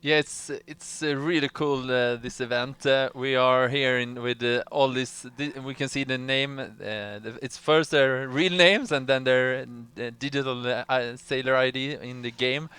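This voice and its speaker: A man co-commentates live, and he talks hesitantly, pausing often with fillers and restarts. His voice is very smooth and clear, and it is recorded dry and close to the mic. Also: medium pitch, steady tone, pushed and bright, no echo. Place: gaming center event studio.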